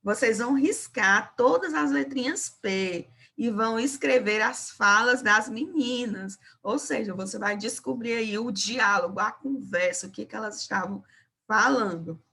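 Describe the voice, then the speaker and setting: A woman teacher giving a remote lesson to young children, speaking slowly and encouragingly. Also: a little high, creaky, pushed and bright. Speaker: primary school teacher.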